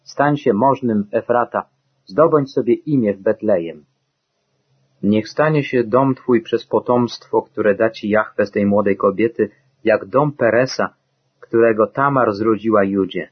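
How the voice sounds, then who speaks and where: A man reading the part of old town elders giving a blessing, in a slow, ceremonial way, in a dull lo-fi recording. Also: lowish voice, breathy edge.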